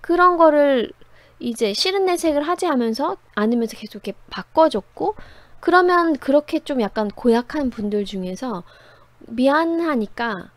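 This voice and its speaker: A woman teaching a writing class, telling personal stories in a lively, conversational way, often laughing as she goes. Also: high voice, normal speed, no echo. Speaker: writing instructor.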